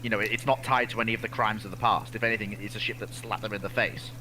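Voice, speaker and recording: Low-voiced man over a noisy, humming line. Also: fairly even intonation, quick pace, bright, forceful tone. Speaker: co-host or guest on naval history chat. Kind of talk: casual discussion of naval history.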